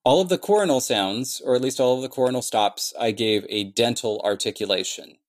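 A man's voice: mid-range voice, brisk. A man in an interview explaining how he built a language, thinking aloud with many fillers and restarts. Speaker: conlang creator answering questions.

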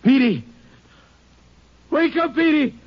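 High-pitched, ailing rancher husband. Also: male voice, animated, takes it slowly, full character voice. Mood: panicked. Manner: unsteady, distressed, plain-spoken. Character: sick, groggy rancher, anxious husband and father. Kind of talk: 1950s radio drama acting. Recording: muffled, hissy old radio recording.

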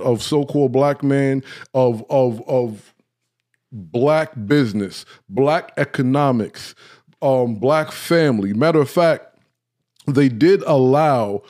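A man hosts a casual talk show in the style of a live-stream lecture, speaking straight to his audience at a medium pitch and slow pace. He often checks in with "right?" and "okay?" and stumbles over his words when excited.

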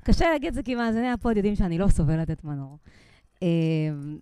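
A woman's voice: lowish voice, dark tone, smooth. A woman co-hosting a podcast in casual chat, talking chattily with lots of fillers and poking fun at herself. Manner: chatty, filler-heavy, self-deprecating. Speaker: podcast co-host.

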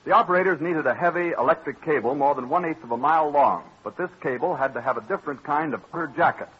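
A middle-aged man reading a scripted sponsor message and announcements in a formal, measured old-time radio announcer manner. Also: on the high side, breathy edge. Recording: dull lo-fi old radio broadcast recording.

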